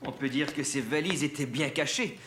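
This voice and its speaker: A man's voice: mid-range voice, normal speed, background noise, natural voice. A man voicing a patient cartoon dad. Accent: French. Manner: patient, reassuring. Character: gentle helpful young father. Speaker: dad of a small boy. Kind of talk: French cartoon dub.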